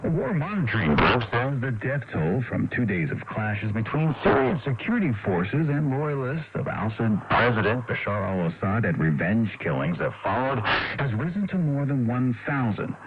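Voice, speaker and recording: A low-voiced American man anchors a radio news bulletin with lively, swinging intonation. His delivery is formal and measured, and it comes over a thin, narrowband shortwave signal. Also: very noisy.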